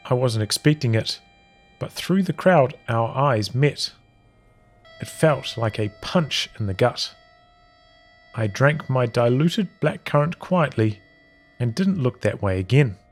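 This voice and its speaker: A man reading journal entries from a visual novel aloud as storytelling, in measured, halting phrases with pauses. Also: mid-range voice, animated, faint music behind.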